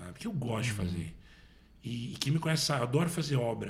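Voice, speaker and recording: A man speaks with a creaky vocal fry. The room gives off an audible echo. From interior of São Paulo state, Brazil. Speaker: advertising agency CEO. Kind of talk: casual interview chat.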